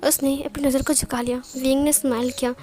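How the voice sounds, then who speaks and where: A woman's voice: sits high, little pitch movement, brisk, warm tone, faint music behind. A woman narrating a fan fiction romance, voicing every character herself in a casual, conversational way. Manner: conversational storytelling with frequent restarts. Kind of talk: reading a romance story aloud, voicing all characters.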